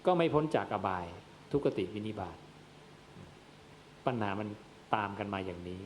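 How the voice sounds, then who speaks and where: A man's voice: on the low side, expressive, normal speed, a little hiss or hum. A man, a Buddhist monk, giving a dharma sermon to lay listeners and posing questions that he answers himself. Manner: addresses listeners as "yom", asks and answers his own questions.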